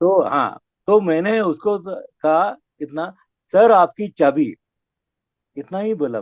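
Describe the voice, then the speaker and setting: A man speaks at a high pitch, with big swings in loudness. Long, frequent pauses break up his speech. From India, Indore (Madhya Pradesh). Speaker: voice-over artist. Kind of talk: interview. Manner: halting.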